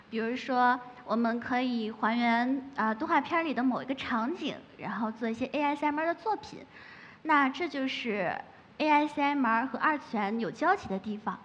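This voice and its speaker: A woman who makes ASMR, giving a lively public talk from a stage with playful asides. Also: high-pitched, moderate pace. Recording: echoey hall, muffled, faint noise.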